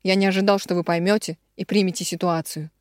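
A woman's voice: on the low side, fairly even intonation, quick pace, darkish tone, dry recording, studio quality, natural voice. A woman reading an audiobook, voicing a weary man who confesses in a heavy, subdued way. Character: man in his thirties, weary, confessing, resolute.

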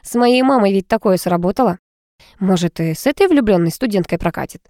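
A woman reading a first-person audiobook in a lively, expressive way. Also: mid-range voice, brisk, no echo, clean studio sound. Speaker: audiobook narrator.

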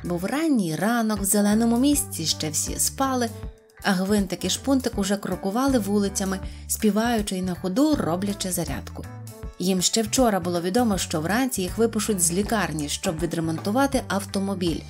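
A woman narrating a children's storybook in a clear, even reading voice. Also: mid-range voice, a little fast, soft background music. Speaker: audiobook narrator.

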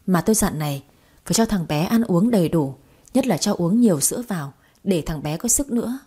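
A woman voicing a female hospital nurse who talks in a brisk, scolding way. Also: on the low side, animated, dark tone, breathy edge.

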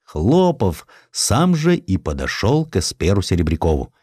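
A man narrating historical sketches as a dramatised audiobook, in a theatrical, expressive way. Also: sits low, normal speed, no room sound, studio quality.

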